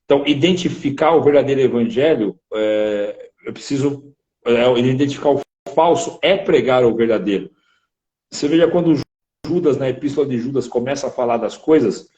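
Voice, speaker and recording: Animated preacher telling his testimony. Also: medium pitch, moderate pace, dull audio. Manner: lively storytelling, acting out voices, emphatic. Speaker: interviewed preacher. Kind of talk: testimony in a religious interview.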